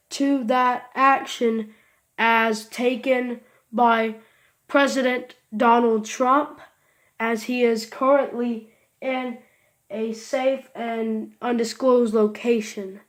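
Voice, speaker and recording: A woman acting as an emergency broadcast announcer in an improvised mock alert, with a halting, solemn, repetitive delivery. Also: on the high side, steady tone.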